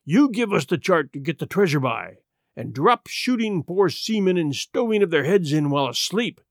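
A man voicing a rough, wrathful pirate ringleader who wheedles and threatens in salty sailor talk, for an audiobook. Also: a little high, very animated, moderate pace, no room sound, clean studio sound. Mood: wheedling, bargaining.

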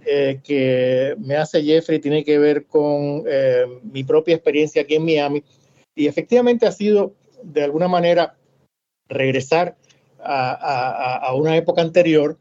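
A man with a mixed Puerto Rican and Cuban accent, speaking as an academic panelist in a reflective, halting way with many filler sounds. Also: fairly high pitch, dark tone. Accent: mixed Puerto Rican and Cuban Spanish. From Puerto Rico. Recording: slightly dull lo-fi audio.

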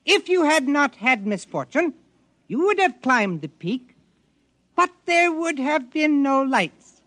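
A calm, formal alien explorer. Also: male voice, very high-pitched, takes it slowly, no room sound, heavily acted. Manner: formal, precise, no contractions. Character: calm glowing alien explorer who eats rock. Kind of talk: 1950s radio drama acting.

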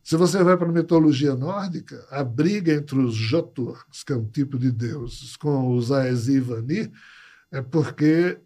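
A man, a podcast guest who explains ideas and tells stories in a relaxed, conversational way. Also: medium pitch, a little slow, hardly any pauses. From Natal, Brazil. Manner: storytelling, acts out quoted dialogue. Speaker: podcast guest, writer and ufologist.

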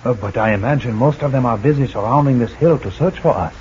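A man's voice: medium pitch, fast talker, a little mellow, lightly acted. A man playing a curt resistance fighter with stiff foreign word order, in old-time radio drama style. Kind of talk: 1940s radio acting. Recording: dull old radio recording, faint hiss.

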